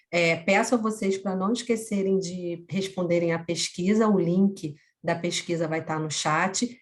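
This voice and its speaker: A woman hosting a live webinar, speaking in a measured, formal way with frequent fillers. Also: lowish voice. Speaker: event host.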